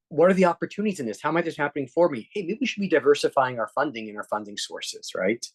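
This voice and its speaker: Earnest male coach addressing a room, conversational and searching, ordinary middle pitch. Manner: earnest, repeats "right?" and restarts often. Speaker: executive coach. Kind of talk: workshop talk to a live group.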